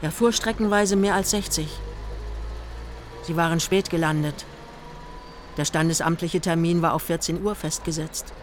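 A woman's voice: lowish voice, fairly even intonation, normal speed, pauses often, a little hiss or hum. An older woman narrating a radio play in clipped, terse literary prose.

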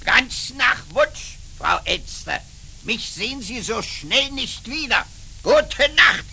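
An actor playing a grumpy, sly male fox in a children's puppet show, gruff and sarcastic, with theatrical groaning. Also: extremely high pitch, lively intonation, slow, bright, forceful tone, a little hiss or hum, full character voice. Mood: bickering.

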